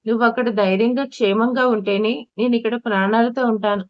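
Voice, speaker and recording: A woman's voice: on the high side, fairly even intonation, fairly quick, no room sound, natural voice. A woman narrator voicing a devoted young husband who tearfully comforts his wife, speaking earnestly and pleadingly. The audio is dull and lo-fi. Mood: tearful reassurance. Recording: dull lo-fi recording.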